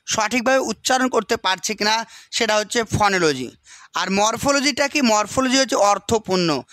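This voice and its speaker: A man with a West Bengal Bengali accent gives an exam-prep lecture in a very high, bright voice. He reads English lines slowly, then breaks them down with rhetorical questions. The sound is close and dry. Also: no room sound. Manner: keeps asking rhetorical questions and checking understanding. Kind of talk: explanatory lecture.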